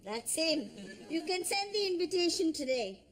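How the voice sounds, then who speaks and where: An actress playing a sharp-tongued middle-aged mother and wife in a sitcom, speaking in a dry, teasing way. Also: extremely high pitch, big pitch swings, moderate pace. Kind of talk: sitcom acting.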